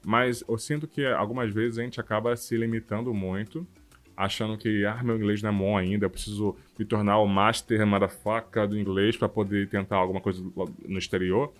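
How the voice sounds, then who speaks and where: A man's voice: fairly low pitch, a little fast. A man with a Brazilian Portuguese accent co-hosting a podcast, talking informally and with animation. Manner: informal, animated, frequent "cara" and "sabe". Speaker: podcast co-host. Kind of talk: casual chat. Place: works abroad.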